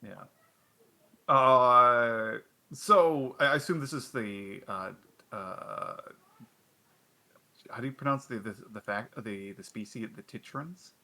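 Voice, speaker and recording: A man's voice: medium pitch, takes it slowly, long pauses, pushed and bright. A man chatting casually as a player in an online tabletop game, often stammering and restarting his sentences and laughing at himself. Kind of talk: casual chat between players.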